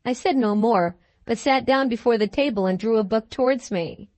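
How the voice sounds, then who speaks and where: A woman narrating a classic novel as an audiobook in a measured, even reading voice. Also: on the high side, no room sound. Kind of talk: scripted narration.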